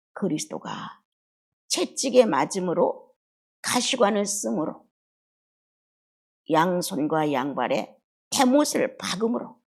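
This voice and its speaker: Gravelly, fervent woman preacher. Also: mid-range voice. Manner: emotional, swings between loud outbursts and hushed murmurs. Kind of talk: expository sermon.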